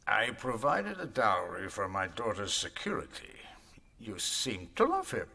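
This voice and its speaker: Cold stern rich father, older, gravelly and sharp. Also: fairly low pitch, huge pitch swings, a little slow, exaggerated voice. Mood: hushed hard. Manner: clipped, controlled, then bursting out.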